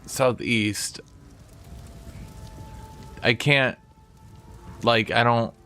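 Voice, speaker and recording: A man's voice: mid-range voice, steady tone, very slow, pushed and bright, soft background music. A man streaming a game, chatting casually and rambling to his viewers. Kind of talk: casual chat while gaming.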